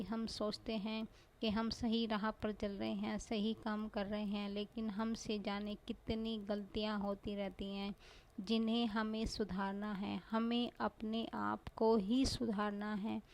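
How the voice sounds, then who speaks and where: A woman's voice: fairly high pitch, a little mellow, poor audio. A woman giving a devotional testimony to a congregation, pleading and repeating herself like a prayer. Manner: pleading, repetitive prayerful address.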